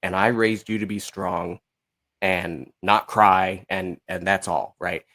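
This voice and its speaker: Man, lowish pitch, podcast guest, casual storytelling, blunt, self-mocking, acts out quotes. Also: fairly even intonation, slow pace, fairly bright tone. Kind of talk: candid casual interview talk with anecdotes.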